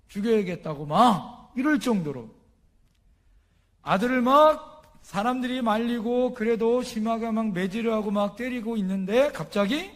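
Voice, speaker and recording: A male pastor preaching a story-driven sermon, often asking the congregation questions and swinging from loud emphasis to hushed lines. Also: sits high.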